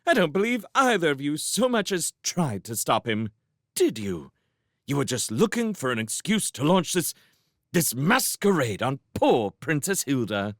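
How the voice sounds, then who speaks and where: A man's voice: a little high, sing-song, measured pace, fairly bright tone, no room sound, clean studio sound, voice pushed up, full character voice. A man voicing a fierce, outraged mother scolding in an audiobook. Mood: passionate, scolding. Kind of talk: audiobook character voice.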